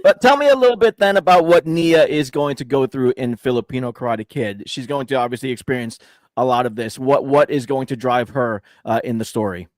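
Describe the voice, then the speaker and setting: A man's voice: mid-range voice, fairly quick, no echo. Hesitant man hosting, very dry sound. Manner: hesitant, many fillers and restarts. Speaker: podcast host. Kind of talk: casual interview chat. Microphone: video call.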